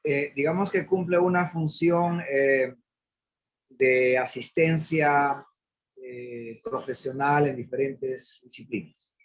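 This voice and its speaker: A man's voice: medium pitch, slow pace, dull audio. A male host introducing and interviewing a guest in a formal, courteous way, with some fillers. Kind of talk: broadcast interview hosting.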